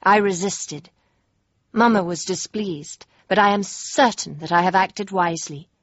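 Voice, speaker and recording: A young actress playing an earnest, spirited princess, with a crisp, refined way of speaking. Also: female voice, medium pitch, measured pace, no echo, natural voice. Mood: reflective. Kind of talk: period drama acting and diary narration. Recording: dull dry lo-fi with faint music.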